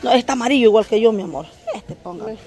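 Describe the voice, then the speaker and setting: Lady vlogging at the market, kinda high voice, talks to her viewers a lot, jokes w/ the sellers. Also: quick pace, dark tone, slight background noise. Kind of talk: casual market-shopping vlog.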